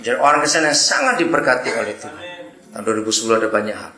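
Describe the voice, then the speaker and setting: Male preacher, bright and lively, storytelling sermon, echoey hall sound. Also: mid-range voice, rapid-fire. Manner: animated, acts out voices and sound effects.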